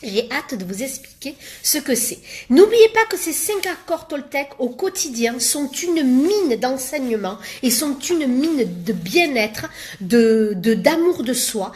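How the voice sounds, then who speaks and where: A woman's voice: high-pitched, sing-song, a little slow, a little mellow. A woman life coach giving a casual motivational talk to camera, chatty and full of fillers. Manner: chatty, many fillers, acts out little quoted exchanges.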